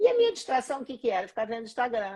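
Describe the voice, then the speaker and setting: A woman speaks with a high pitch. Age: 60s. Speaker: retired teacher, client testimonial. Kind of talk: testimony. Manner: halting.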